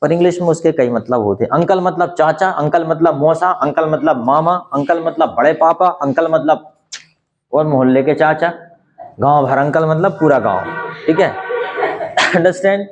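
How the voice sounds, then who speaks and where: Man, native Hindi speaker, English teacher, fairly high voice, patient explaining, rhetorical questions. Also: normal speed, lo-fi sound. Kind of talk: spoken English lesson.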